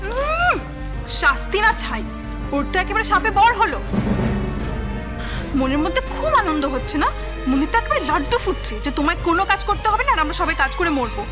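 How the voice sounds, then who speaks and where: A woman's voice: extremely high pitch, sing-song, a little fast, long pauses, loud music behind the voice. A sarcastic young woman. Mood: mocking. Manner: mocking, sarcastic. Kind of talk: TV serial acting.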